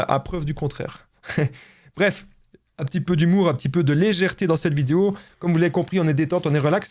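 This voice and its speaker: A man with a Belgian French accent, a relationship coach giving casual, repetitive, stumbling advice to camera. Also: a little high.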